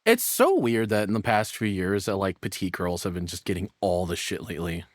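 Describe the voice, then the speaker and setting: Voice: deep voice, lively intonation, brisk, dry recording, clean studio sound. A streamer giving casual off-the-cuff reactions, blunt, rambling and foul-mouthed.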